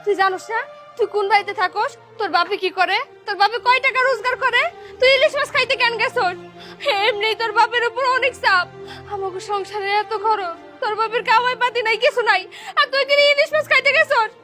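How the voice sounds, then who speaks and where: A woman's voice: very high-pitched, pushed and bright. A woman playing a stern, poor village mother. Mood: scolding. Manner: scolding rapid-fire questions, then soothing. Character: poor rural mother, stern then tender. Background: background music.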